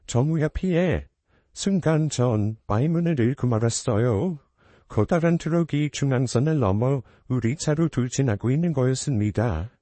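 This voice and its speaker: A man's voice: medium pitch, normal speed, warm tone, no echo. A man narrating a somber first-person true story. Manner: somber, recounting.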